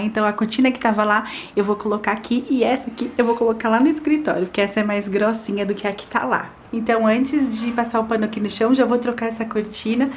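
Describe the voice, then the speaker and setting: A woman's voice: medium pitch, slight background noise. A young Brazilian woman vlogging chores at home, speaking in a chatty, upbeat way straight to her viewers and recorded on a handheld camera mic. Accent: Brazilian Portuguese. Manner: chatty and upbeat, often addressing viewers directly. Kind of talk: casual home vlog, showing chores. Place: small apartment bedroom and bathroom indoors. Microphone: handheld wide-angle camera mic.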